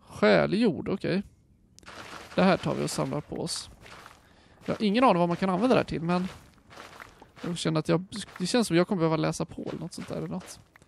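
Long, frequent pauses break up a man's very fast delivery. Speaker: gaming YouTuber. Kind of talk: gameplay commentary with Q&A.

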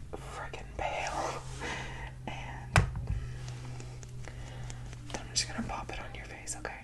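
Loud background noise fills the recording. The speech moves at a fairly slow pace. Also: woman. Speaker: makeup vlogger. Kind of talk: casual makeup tutorial chat. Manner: soft close ASMR whisper. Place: home room. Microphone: phone near.

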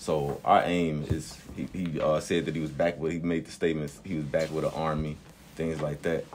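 Over light background noise, a man talks at a moderate pace in a very deep, low pitch with monotone, flat intonation. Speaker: religious organization representative. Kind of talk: radio interview. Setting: studio. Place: studio. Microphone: studio mic.

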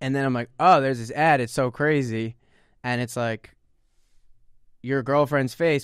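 Against a quiet background, a man speaks at a moderate pace. His intonation is fairly even, and the sound is dry with no echo. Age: 30s. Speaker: comedian and podcast co-host; comedian, podcast co-host. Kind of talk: casual chat. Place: studio. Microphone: studio mic.

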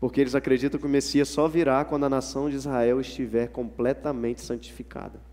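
An animated man at a fairly quick pace, with hardly any pauses. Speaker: pastor. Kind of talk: sermon. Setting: church. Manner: animated, earnest preaching with emphatic repetition.

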